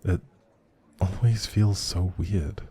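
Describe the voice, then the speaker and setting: A man playing a socially anxious, kind stranger in an intimate audio roleplay, rambling hesitantly and doubting himself in a soft, breathy voice. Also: deep voice, steady tone, takes it slowly, exaggerated voice. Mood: awkward, amused.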